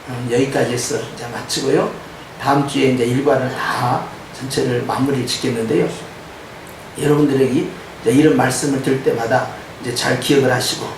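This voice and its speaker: A man's voice: mid-range voice, heavy reverb, far from the mic, slight background noise, low-quality recording. A man preaching as a pastor in a church, firing rhetorical questions and chuckling between points. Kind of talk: sermon. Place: church sanctuary.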